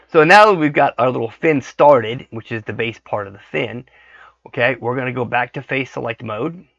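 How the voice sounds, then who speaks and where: Hoarse from a cold, this gravelly-voiced man walks through 3D modeling in a casual screen recording, checking in with "okay" often as he thinks out loud. His fairly bright voice is mid-range, captured on a dull, dry lo-fi mic with no room sound.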